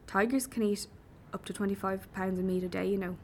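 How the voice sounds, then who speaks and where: A laconic, blunt young Irish man speaking in a dry, matter-of-fact way, as a woman reader does him. His voice is a little gravelly, set in a storybook reading. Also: mid-range voice, fairly even intonation, a little fast, slight background noise, close to an everyday voice.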